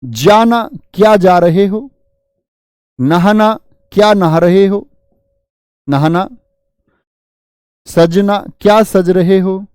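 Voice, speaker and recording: A man's voice: sits high, drawn-out words, long pauses, darkish tone, smooth, dry recording, clean studio sound. A man teaching a grammar lesson, asking his students questions and answering them himself. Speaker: Hindi teacher.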